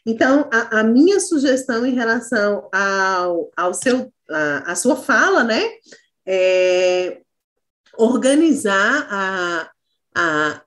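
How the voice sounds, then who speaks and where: On a video call, a woman teacher gives encouraging feedback to students in her online class, thinking aloud and using fillers as she goes. Her voice sits on the high side.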